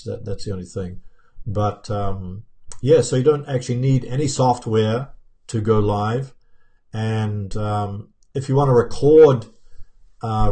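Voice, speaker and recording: Speaking from his home office, where plants and pictures fill the room, a fifty-something man answers live-stream viewer comments in a casual Q&A. His voice sits on the low side with a dark tone, and his New Zealand accent is softened by years in America. He is framed by a webcam at his desk and leans on fillers and restarts as he talks.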